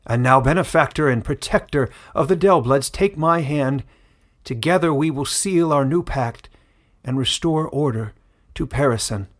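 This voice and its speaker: A man playing a commanding, zealous tribal elder, giving loud ceremonial oratory in a fantasy audiobook. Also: mid-range voice, moderate pace, close to an everyday voice. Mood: solemn, commanding.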